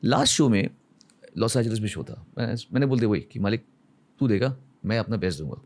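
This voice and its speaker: A man's voice: on the low side, expressive, brisk, darkish tone. A man in his forties from India, speaking as a podcast guest. He tells reflective, emotional stories and mixes English phrases into his speech. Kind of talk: reflective conversational storytelling.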